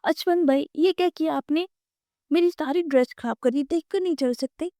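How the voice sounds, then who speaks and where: Woman doing a pouty young woman, petulant, higher voice, mellow tone, dry sound, audio novel. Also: no echo, natural voice. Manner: petulant, high-pitched complaints.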